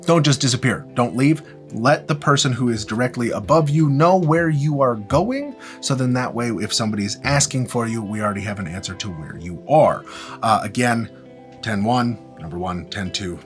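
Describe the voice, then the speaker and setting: A man presenting an instructional video, explaining things emphatically and restating key points in a structured way. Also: on the low side. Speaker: video host, tutorial presenter. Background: background music.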